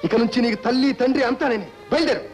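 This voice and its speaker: A bitter, defiant husband. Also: male voice, extremely high pitch, rapid-fire, soft background music, low-quality recording. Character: proud angry son-in-law, young husband.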